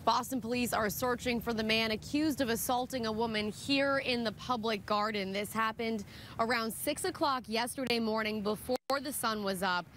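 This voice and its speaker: Higher-voiced female field reporter, street noise behind. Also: moderate pace, fairly bright tone. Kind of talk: scripted live news report. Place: outdoors in the city, live location. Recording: clear street and vehicle noise.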